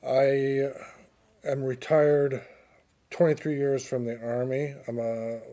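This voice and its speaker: Slow-speaking seventy-year-old man. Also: mid-range voice, level tone, mellow. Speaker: interviewee, retired Army veteran, class participant. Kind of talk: plain conversational answers.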